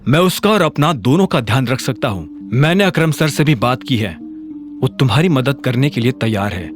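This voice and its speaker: A man voicing a humble young delivery worker, hesitant and soft-spoken. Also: medium pitch, lively intonation, normal speed, faint music behind, pitched below the performer's own voice, lightly acted. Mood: earnest.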